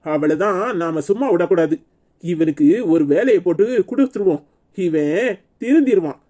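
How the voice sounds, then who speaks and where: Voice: mid-range voice, normal speed, warm tone, voice pushed down, natural voice. A woman voicing a firm, serious father in a cartoon, with a Tirunelveli Tamil accent. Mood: stern. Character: stern grown father.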